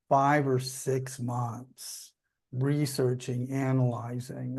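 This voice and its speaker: A male executive with a medium-pitched voice answers questions on an earnings call. He speaks off the cuff and emphatically, repeating phrases to drive points home and often checking that listeners agree. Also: a little mellow. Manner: emphatic, repetitive, seeks agreement. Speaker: company executive.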